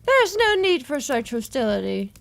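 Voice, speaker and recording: A woman as a courteous, gentle high-voiced lady healer. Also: very animated, gravelly, no echo, full character voice. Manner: polite, formal, measured.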